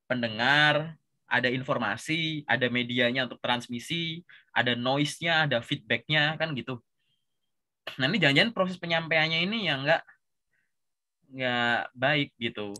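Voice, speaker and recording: A man with a Javanese accent giving a relaxed, chatty coaching session and tagging his sentences with filler words. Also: mid-range voice. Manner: relaxed, chatty, says "gitu" constantly. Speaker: career coach.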